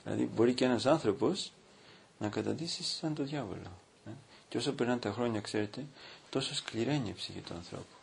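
A man preaching as a priest, reading from a book and stopping to comment, with slow, drawn-out emphasis. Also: mid-range voice, creaky, slight background noise. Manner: reads aloud from a book, breaking off to comment. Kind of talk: sermon.

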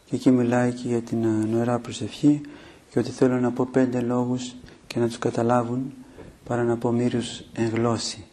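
A man preaching a sermon, teaching in a steady way with filler pauses and rhetorical questions. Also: medium pitch.

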